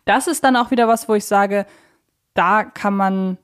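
A woman's voice: medium pitch, moderate pace, smooth. A woman, co-hosting a podcast and talking things through in a casual, reasoned, explanatory way. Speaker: podcast co-host. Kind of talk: casual fan discussion.

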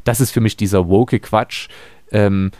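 A man's voice: lowish voice, steady tone, a little slow, dark tone, no echo. A man in a casual book discussion, arguing his view as a podcast panelist.

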